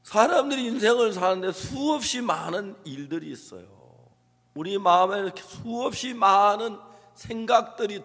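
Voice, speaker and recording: A man preaching a sermon, telling a story with acted quotes and swinging between hushed and emphatic delivery. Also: on the high side, gravelly. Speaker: pastor. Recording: long reverb of a large hall.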